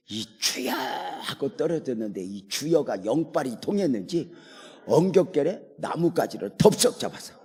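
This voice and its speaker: A male pastor preaching a sermon in a church, telling a story and at times dropping to a soft near-whisper. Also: medium pitch, breathy edge. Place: church sanctuary. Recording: long hall reverb.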